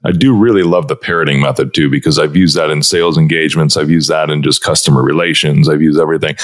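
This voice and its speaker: A man hosting a podcast interview, enthusiastic and quick to laugh, with lots of "like" and "freaking". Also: extremely low pitch, steady tone. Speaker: podcast host.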